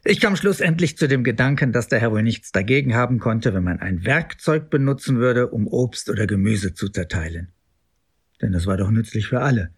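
An actor playing an earnest, unsure young medieval crusader in a musing, self-questioning radio play monologue. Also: male voice, medium pitch, animated, fairly quick, breathy edge. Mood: musing, self-justifying.

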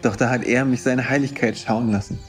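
A man's voice: mid-range voice, steady tone, a little fast, natural voice. A man playing a youthful preacher in a German audio drama, speaking with solemn, intense and persuasive conviction. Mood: fervent, assuring. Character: fervent youthful boy preacher, gentle and persuasive. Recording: music under the voice.

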